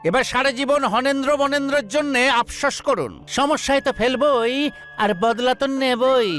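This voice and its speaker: A man's voice: very high-pitched, steady tone, normal speed. A man voicing a scheming, vengeful minister in a kids' cartoon, gloating and menacing. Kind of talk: dubbed cartoon acting. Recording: loud cartoon music behind.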